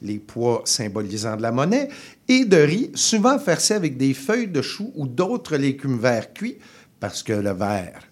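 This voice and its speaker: A man's voice: medium pitch, huge pitch swings, a little slow. A man giving a casual food column on the radio, playful and chatty, with frequent hesitations. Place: radio studio.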